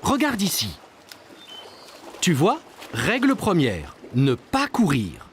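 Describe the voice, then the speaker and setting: Un papa rassurant de dessin animé. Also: male voice, on the high side, huge pitch swings, takes it slowly, slight background noise, exaggerated voice. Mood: reassuring. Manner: gentle, explaining rules patiently. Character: kind, reassuring father of a small boy.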